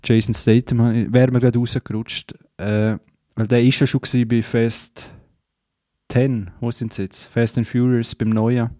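A man with a Swiss German accent, chatting casually and jokingly as a podcast co-host, often halting to find words. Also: medium pitch, little pitch movement, warm tone. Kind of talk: casual film chat.

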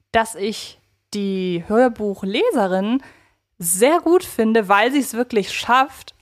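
A woman co-hosting a podcast in casual chat, talking reflectively and thinking aloud. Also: medium pitch. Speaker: podcast co-host.

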